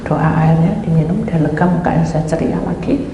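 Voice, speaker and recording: Woman pastor, lively sermon storytelling; echoey hall, faint noise. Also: low-pitched, brisk, dull audio. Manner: lively, acts out voices in her story.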